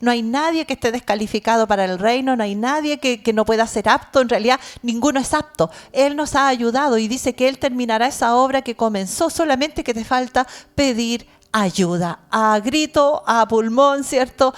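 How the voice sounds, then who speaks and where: A middle-aged woman with a Chilean accent preaching a sermon as pastor, earnest and animated, often adding amen and cierto. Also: fairly high pitch, normal speed, hardly any pauses. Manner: animated storytelling, shouting out imitations.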